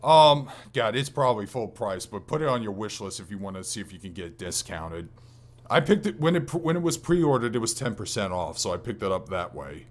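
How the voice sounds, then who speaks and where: A man co-hosting a podcast, chatting casually about video games in a rambling, halting way that often restarts. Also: fairly low pitch, very animated. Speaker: podcast co-host.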